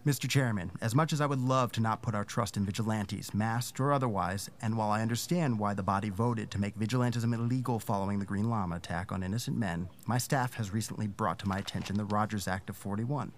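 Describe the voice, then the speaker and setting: An actor playing a righteous councilman arguing legal points in a measured, formal, pointed way in a 1940s-style radio drama. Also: lowish voice, a little hiss or hum, close to an everyday voice.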